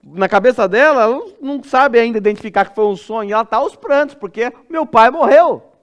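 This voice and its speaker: Brazilian pastor guy preaching in church, fairly high voice, expressive, goes quiet and soft when he plays the parent. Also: fast, clear, resonant tone. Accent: Brazilian Portuguese. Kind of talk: expository sermon.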